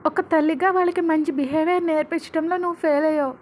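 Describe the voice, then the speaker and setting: A defiant young wife, voiced by a woman storyteller who answers every accusation indignantly. Her voice sits high and carries a touch of pleading under the anger. This is a storybook reading, and faint noise hangs behind it. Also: fairly even intonation, fast, darkish tone. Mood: defensive.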